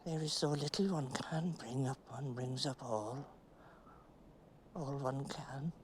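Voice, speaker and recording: An actress playing a chattering, stoic middle-aged woman buried in the earth, speaking a slow, halting stage monologue. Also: very deep voice, a little hiss or hum. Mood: wistful musing. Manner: slow, deliberate, halting delivery with long pauses. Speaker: actress in a filmed stage play.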